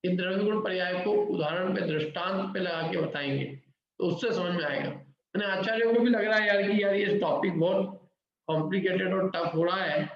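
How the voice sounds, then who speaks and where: A man's voice: high voice, moderate pace. Man teaching in an echoey room. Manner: explains step by step, asks the class questions. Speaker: Jain scripture teacher. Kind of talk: interactive scripture class. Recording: very echoey, dull lo-fi room recording.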